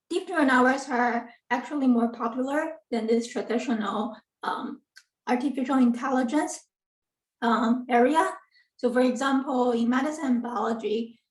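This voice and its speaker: A woman in her thirties from Taiwan, giving an academic talk on a video call, earnest and full of ums and self-corrections. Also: high-pitched. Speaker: guest lecturer, assistant professor. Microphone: video call computer mic. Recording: roomy, distant from the mic.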